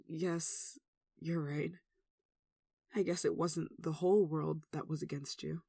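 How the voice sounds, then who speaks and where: A performer playing a devout, tender human devoted to a demon in an ASMR roleplay, speaking softly and earnestly with emotion. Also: medium pitch, breathy edge, no room sound. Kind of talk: ASMR roleplay, one-sided dramatic dialogue.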